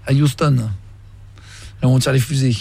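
A man's voice: medium pitch, little pitch movement, normal speed, warm tone. A young man making a prank phone call, posing as a new doctor and rambling with hesitations and restarts. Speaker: prank caller.

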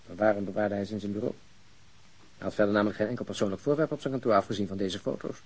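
A man's voice: fairly low pitch, steady tone, rapid-fire, breathy edge. A man playing a persistent police detective in a Dutch radio drama, questioning a bereaved woman bluntly and insistently. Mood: subdued, probing.

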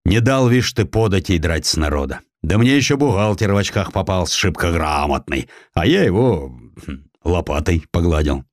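A man's voice: low-pitched, animated, moderate pace, no echo, clean studio sound. A man voicing a bold, free-spirited Cossack adventurer with blunt, folksy speech in an audiobook. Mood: sheepish, folksy. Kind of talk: audiobook character acting.

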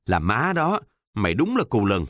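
A man's voice: lowish voice, huge pitch swings, moderate pace, a bit bright, no room sound, studio quality, exaggerated voice. A man voicing a cocky, streetwise teenage boy who teases in a mocking way and talks full of slang, in a storybook reading. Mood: teasing.

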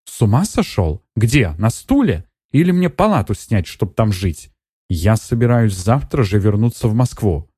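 Casting: a ruthless scheming woman, cold and bossy, read by a man, raised higher and harsh, dry close sound. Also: sing-song, normal speed, few pauses, mellow, no echo. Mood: scornful. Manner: harsh, commanding.

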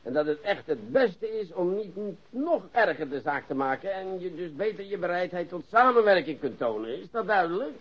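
A dull lo-fi radio drama recording of a male police interrogator. His highish, husky voice swoops through mock courtesy and drawn-out emphasis, sarcastic and relentless. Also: animated. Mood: stern, condescending. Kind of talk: radio play acting.

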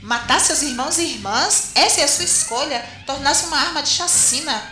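A high, bright female voice rings in an echoey space over faint music. It is a woman acting a brave young rebel soldier in an audio drama, earnest, urgent and ready to sacrifice herself. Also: animated, brisk. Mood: pleading, defiant.

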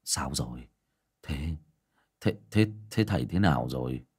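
A man voicing a weary aging father who mutters low and stammers in fear. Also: very animated, takes it slowly, gravelly, darkish tone, full character voice. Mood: anxious.

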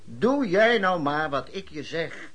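An actor in a Dutch radio play playing a slick, patronising con man with a husky, persuasive patter. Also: fairly high pitch, very animated, slow pace, a bit bright, exaggerated voice. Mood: coaxing. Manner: persuasive, boastful, condescending. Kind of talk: Dutch radio drama acting.

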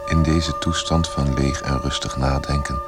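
A man narrating a radio drama from a script in a measured, literary manner. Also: rumbling low, steady tone, loud music behind the voice.

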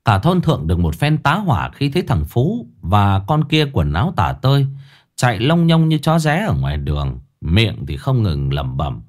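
Brief: male ghost story narrator, animated and earthy. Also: fairly low pitch, moderate pace.

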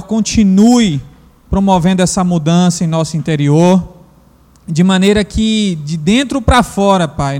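Male pastor leading prayer, fairly high voice, reverent and steady, long hall echo. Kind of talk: spoken prayer.

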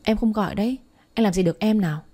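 A woman's voice: medium pitch, quick pace, mellow, natural voice. A woman voicing a spirited, feisty teenage girl. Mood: teasing.

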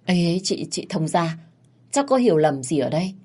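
A woman narrator voicing a scheming older mother-in-law who wails and pleads in a husky low voice. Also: animated, moderate pace, darkish tone. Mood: pleading. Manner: wailing, pleading, fawning.

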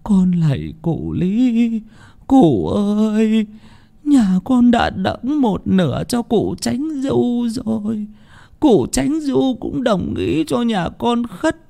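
Brief: frail elderly peasant woman, whimpering and begging, very high gravelly voice, slow and drawn out, as a male narrator puts her on. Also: wildly swooping pitch, dark tone, full character voice. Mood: pleading. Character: poor old peasant mother, frail and pleading.

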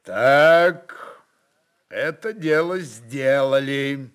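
A man's voice: mid-range voice, extremely slow, fairly bright tone, clean tone. A man voicing a bold, mocking Cossack chieftain of about thirty in a dramatised literary reading, with an insolent, sly drawl. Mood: brash.

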